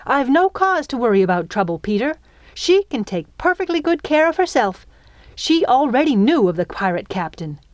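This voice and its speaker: A woman voicing a tiny, feisty female fairy with a sassy, irritable, sharp-tongued manner in a story. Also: sits high, very animated, normal speed, dry recording, pitched above the performer's own voice. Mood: defensive.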